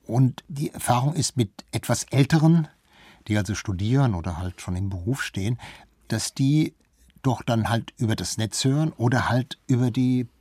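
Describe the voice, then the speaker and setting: A man's voice: mid-range voice, animated, moderate pace, darkish tone, breathy edge, no room sound. A mature man speaking spontaneously as a guest in a discussion, explaining his points with hesitant phrasing and emphatic swings. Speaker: interview guest, public radio cultural journalist. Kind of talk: spontaneous panel-style discussion.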